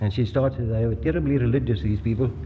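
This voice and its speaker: A man's voice over noticeable background noise. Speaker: guest. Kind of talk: lecture. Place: hall. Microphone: old recording.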